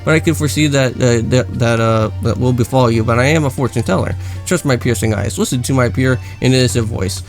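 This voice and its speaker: A man's voice: medium pitch, fairly quick, hardly any pauses, close to an everyday voice. Man playing a mystical game fortune teller, portentous delivery, ominous warnings, music behind. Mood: ominous, beckoning.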